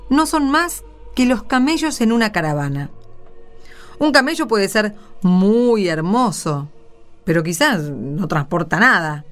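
Woman playing lively, curious Roman woman. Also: medium pitch. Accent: Argentine. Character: curious Roman woman coaxing others to tell stories. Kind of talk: amateur radio play.

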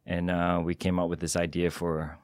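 Man, very low voice, middle-aged, measured hesitant answers, dry studio. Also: monotone, darkish tone, clear, resonant tone, no room sound. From Singapore. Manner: measured, hesitant with many "uh" and "um" fillers. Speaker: guest, tech executive. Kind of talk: interview answers. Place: podcast studio.

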